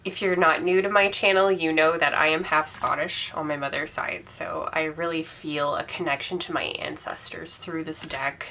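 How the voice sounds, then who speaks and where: A woman's voice: low-pitched, fairly even intonation, normal speed, few pauses, sharp tone, a little hiss or hum. A woman with a cold and a congested, slightly sore voice, chatting enthusiastically as host of her own vlog with frequent ums. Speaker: tarot channel host. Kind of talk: casual monthly wrap-up vlog.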